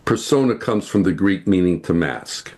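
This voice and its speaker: A man with a fairly low voice talks about spiritual ideas in an interview. He explains earnestly and patiently, and he stretches out his key phrases. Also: lively intonation, a little mellow. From United States. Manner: earnest, explanatory, slows to stress points. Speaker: guest.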